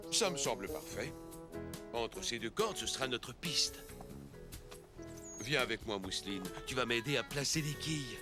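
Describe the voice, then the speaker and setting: Man playing old grandfather, children's cartoon, kindly, animated intonation, gently instructive, music underneath. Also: mid-range voice, normal speed, long pauses, natural voice. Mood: encouraging. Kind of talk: French-language children's cartoon dialogue.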